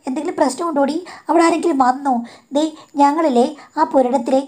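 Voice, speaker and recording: A woman's voice: sits high, steady tone, a little fast, darkish tone, pitched above the performer's own voice, close to an everyday voice. A woman voicing a scheming older mother-in-law who chides and coaxes in a falsely sweet tone. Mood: coaxing. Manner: coaxing and chiding, calls everyone dear.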